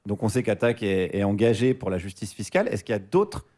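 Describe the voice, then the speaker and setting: A man hosting a live radio show, relaxed and joking as he introduces and questions guests. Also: lowish voice, fast talker. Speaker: radio host. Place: radio studio.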